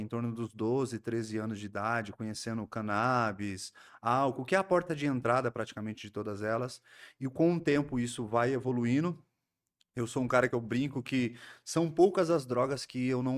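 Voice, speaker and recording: Um homem, convidado de um podcast, conta com seriedade e reflexão sua história de recuperação, com sotaque do interior paulista e muitas pausas e recomeços. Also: male voice, mid-range voice. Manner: earnest, reflective storytelling with frequent restarts. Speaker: psychoanalyst guest. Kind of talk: personal recovery story in a podcast interview.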